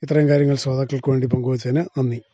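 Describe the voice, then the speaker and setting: A man's voice: medium pitch, little pitch movement, rapid-fire, mellow, no echo. A man, asking questions as a radio interviewer. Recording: dull, muffled radio recording.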